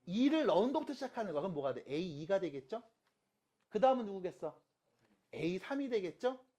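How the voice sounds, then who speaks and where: A math teacher lectures high school students online, with a voice that swings widely up and down in pitch. The teacher keeps checking in with quick rhetorical questions and slows right down to repeat each key step. Casual and polite speech alternate throughout. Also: big pitch swings, dark tone. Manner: repeats key steps slowly and emphatically.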